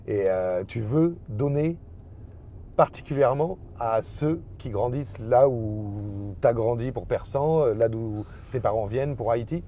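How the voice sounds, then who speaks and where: A man's voice: mid-range voice, a little slow, dark tone, slight background noise. A man interviewing in a casual, informal way, feeling his way through his questions.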